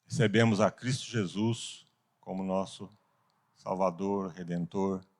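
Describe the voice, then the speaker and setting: A Sunday school teacher with a Brazilian Portuguese accent leads a Bible class in earnest, posing rhetorical questions and pausing for emphasis. His voice is low-pitched and his tone stays steady.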